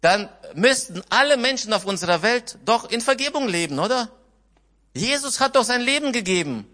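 A man's voice: very high-pitched, animated, moderate pace, sharp tone, long reverb tail. A man preaching a sermon, earnestly retelling scripture and putting questions to his listeners. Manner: earnest, retells scripture with quoted dialogue, asks the congregation questions.

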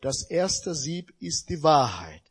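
A man voicing a wise old male philosopher, speaking slowly and patiently in a lowered, husky voice. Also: very animated, in a large hall, exaggerated voice. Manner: slow, measured and lowered.

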